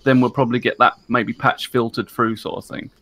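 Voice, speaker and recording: A man's voice: medium pitch, flat delivery, brisk, sharp tone. A man chatting casually as a panellist on a gaming podcast. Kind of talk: casual panel discussion about a video game.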